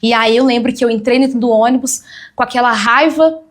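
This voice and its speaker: Woman, young adult, high voice, lively storyteller, quotes people in their voices. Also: brisk. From Brazil. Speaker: guest sharing testimony. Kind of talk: church talk show testimony.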